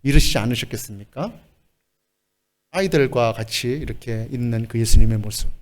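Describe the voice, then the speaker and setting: A male pastor preaching a sermon in a lively way, acting out quoted lines and laughing as he goes. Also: medium pitch, moderate pace.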